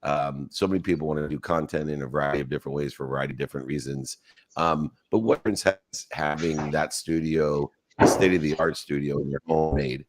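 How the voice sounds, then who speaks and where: A man hosting an online talk show, relaxed and rambling, with many fillers. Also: rumbling low, a little fast. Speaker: host. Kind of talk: casual online chat show.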